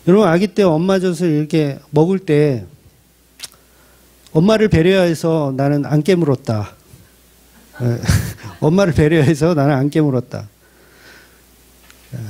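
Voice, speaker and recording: Lively, high-pitched male pastor preaching. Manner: conversational preaching with rhetorical questions and humor. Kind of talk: sermon. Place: church.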